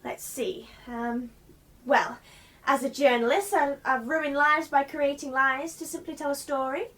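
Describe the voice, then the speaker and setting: Woman playing a huffy young dead reporter in radio drama, high bright voice, self-justifying, bit off mic. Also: fairly even intonation. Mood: matter-of-fact. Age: 20s. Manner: incredulous, brisk, self-justifying. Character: indignant, shameless 27-year-old journalist, newly dead. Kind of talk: radio play acting. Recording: distant microphone.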